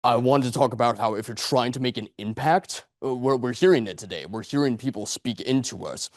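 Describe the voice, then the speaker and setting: A late-twenties public speaker at a speakers club addresses a live audience in a meeting room with a rambling, earnest motivational speech that relies on repetition and rhetorical questions. His mid-range voice is brisk. The recording is studio-clean, with no room sound.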